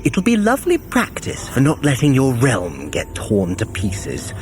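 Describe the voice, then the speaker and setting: An actor playing a sly, haughty trickster god in a fantasy audio drama, silky and sardonic. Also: male voice, mid-range voice, wildly swooping pitch, a little slow, music in the background. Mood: sardonic, coaxing.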